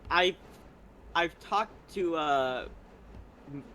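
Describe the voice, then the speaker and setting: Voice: medium pitch, extremely slow, bright, forceful tone. Hesitant speaker on a noisy line. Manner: hesitant, stumbling. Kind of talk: casual chat.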